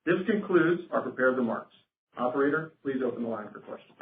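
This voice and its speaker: Brisk and animated, a man with a mid-range voice gives a formal presentation as a finance executive on an earnings call. His voice arrives through a conference phone line that sounds roomy and hisses noticeably.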